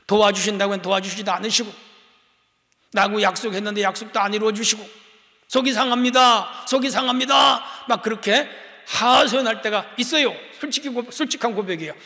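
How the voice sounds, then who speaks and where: Male pastor, high voice, impassioned sermon, long church reverb. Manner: impassioned, swings between hushed and raised voice. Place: church sanctuary.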